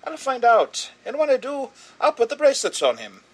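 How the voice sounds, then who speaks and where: A man playing an indignant, blustering police officer in a husky, high shout, 1930s radio drama style. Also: huge pitch swings, moderate pace, heavily acted, poor audio.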